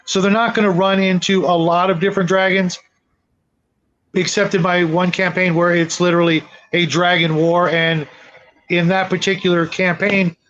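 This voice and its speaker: A man talking casually in a panel discussion, halting and often repeating his words as he thinks aloud. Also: sits high, fairly bright tone. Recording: dull lo-fi audio.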